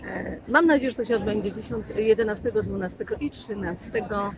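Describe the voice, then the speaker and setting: A woman's voice: mid-range voice, quick pace. A woman in her sixties, an actress giving a casual interview, emphatic and repeating key words. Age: 60s. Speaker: stage actress being interviewed. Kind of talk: casual spontaneous interview talk. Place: outdoors in a town street. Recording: outdoor urban recording with crowd and traffic.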